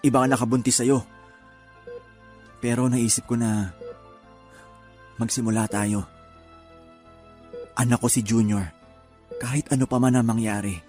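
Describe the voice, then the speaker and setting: Man acting betrayed groom, mid-pitched, soft-hearted, earnest, emotional, radio romance drama, music underneath. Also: lightly acted.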